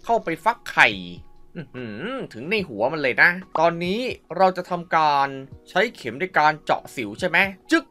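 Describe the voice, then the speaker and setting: A man's voice: on the high side, very animated, moderate pace, bright, forceful tone, faint music behind. A man giving playful mobile game commentary, full of exclamations and mouthed sound effects. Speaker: mobile game YouTuber and host.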